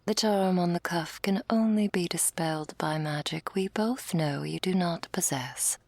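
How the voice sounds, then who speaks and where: Woman acting slow, stern elder angel, whispered role-play. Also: fairly low pitch, a little mellow, no echo. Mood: cool, condescending. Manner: measured, patronising. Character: stern, condescending female elder angel, commanding mother superior.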